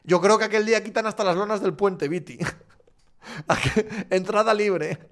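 Casting note: high-pitched Asturian man, sports journalist, animated, swears, answers fans live. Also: fast. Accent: Asturian Spanish. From Asturias, Spain. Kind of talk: casual live chat.

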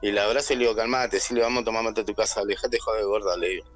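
A man's voice: lowish voice, fairly even intonation, rapid-fire, faint music behind. A man with an Argentine accent calling in to tell a personal story, acting out the voices he quotes. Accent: Argentine Spanish. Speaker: caller. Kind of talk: telling a personal story on air.

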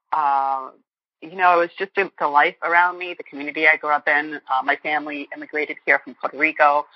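A woman's voice: low voice, no room sound. A woman in her forties from Boston, a guest author speaking earnestly and reflectively in an interview. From Boston, United States. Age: 40s. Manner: earnest, reflective, thinking aloud. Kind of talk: conversational interview. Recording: muffled, dry lo-fi line.

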